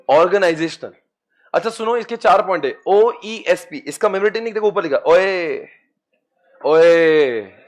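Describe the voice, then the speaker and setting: A man lecturing a class of commerce students, chanting memory tricks and coaxing them to repeat after him. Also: sits high. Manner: lively, chants mnemonics and coaxes students to repeat; addresses students as beta and friends, teasing.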